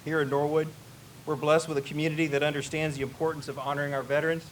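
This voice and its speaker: Retired Navy officer with a Kentucky accent delivering a formal speech, picked up on a distant mic. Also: male voice, fairly high pitch, level tone, fast, slight background noise. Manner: folksy asides, then a solemn prepared address.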